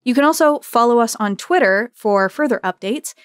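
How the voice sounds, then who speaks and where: A woman's voice: on the high side, expressive, normal speed, smooth, no room sound. Woman hosting a podcast, dry sound. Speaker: podcast host. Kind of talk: interview hosting.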